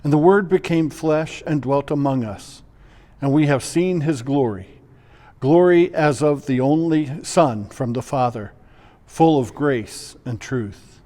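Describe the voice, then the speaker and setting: Mellow male pastor reading scripture, long reverb. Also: a little high, measured pace.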